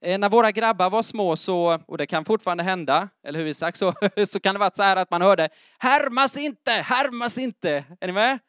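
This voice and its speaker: A middle-aged man preaching a sermon in church, lively and emphatic, often asking his congregation if they are following. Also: high voice, few pauses, clean tone, dry recording, studio quality. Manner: keeps checking in with the congregation with questions. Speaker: pastor.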